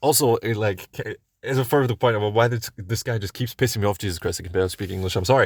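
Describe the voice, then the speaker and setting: On a very clean recording with a silent background, a man speaks at a very fast pace in an animated tone. His medium-pitched voice is somewhat breathy, with ordinary pitch variation and a dry, close sound with no echo. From Germany. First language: German. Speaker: YouTuber. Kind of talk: rant. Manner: animated, swearing-heavy with many stumbles.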